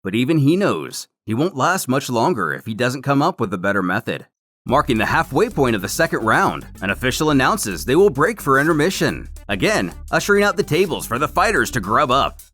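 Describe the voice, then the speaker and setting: A man's voice: medium pitch, very animated, brisk, a bit bright. A man narrating a scripted story recap as the storyteller. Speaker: narrator recapping a comic series.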